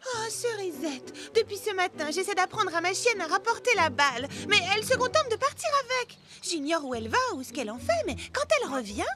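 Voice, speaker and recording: A woman's voice: very high voice, sing-song, fairly quick, hardly any pauses. A woman voicing an exasperated but affectionate young girl in a dubbed children's cartoon, coaxing and scolding expressively. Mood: friendly. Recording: music behind the voice.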